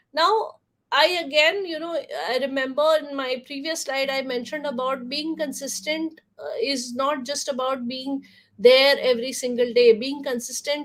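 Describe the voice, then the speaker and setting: A woman speaks in an Indian accent at a moderate pace. Her pitch is high, with ordinary variation. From northern India. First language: Hindi. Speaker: LinkedIn coach. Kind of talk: webinar talk. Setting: video call.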